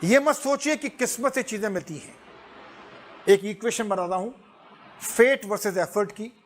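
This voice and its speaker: Lively high-voiced male lecturer. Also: normal speed, slight background noise. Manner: animated, lively, switches between Hindi and English, laughs often. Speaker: personality development teacher. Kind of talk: classroom lecture.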